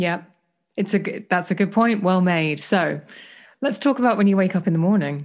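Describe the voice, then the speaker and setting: A woman with a British accent speaks with long, frequent pauses. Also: medium pitch for a woman, ordinary pitch variation, moderate pace, quiet background. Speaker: podcast host. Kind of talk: casual interview. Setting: remote call.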